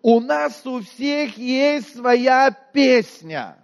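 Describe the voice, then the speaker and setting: A man from Moldova preaching a sermon in a conversational way, asking his listeners questions and often dropping to a quiet voice. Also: very high-pitched, animated, extremely slow, vocal fry. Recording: long hall reverb.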